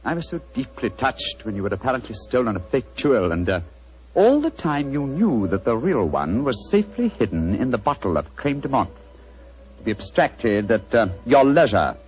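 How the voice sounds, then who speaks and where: An actor playing a brilliant, self-assured male detective in a 1940s radio drama, crisp and theatrical. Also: mid-range voice, very animated, moderate pace, close to an everyday voice. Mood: confident amused. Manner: crisp, theatrical, relishing his deductions. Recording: dull old radio recording with music.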